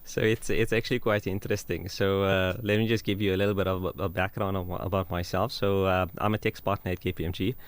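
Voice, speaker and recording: A man's voice: low voice, little pitch movement, fast, hardly any pauses. A middle-aged man with a Johannesburg South African accent, a tax expert answering questions on a radio show in an explanatory way. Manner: explanatory, with many "you know"s. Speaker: tax partner guest.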